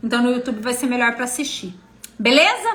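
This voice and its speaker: A woman is speaking here. Her voice is raised and projected. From São Paulo state, Brazil. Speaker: diet mentor. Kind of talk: live stream talk. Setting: live video stream. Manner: animated.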